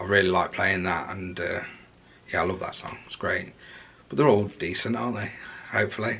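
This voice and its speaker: A man speaks at a fairly quick pace in a fairly low pitch, with long, frequent pauses. His loudness swings widely over noticeable background noise. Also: ordinary pitch variation. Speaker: drummer and video creator. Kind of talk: casual Q and A vlog. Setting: recording alone to camera. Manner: fast.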